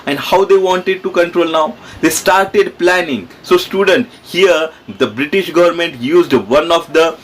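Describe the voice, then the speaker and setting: A male schoolteacher with an Indian accent speaks in a fairly high voice. He explains his lesson to students directly, repeating key phrases and putting questions to them as he goes. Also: unhurried, few pauses, low-quality recording. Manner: repetitive, asks questions and checks in with students. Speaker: school history teacher.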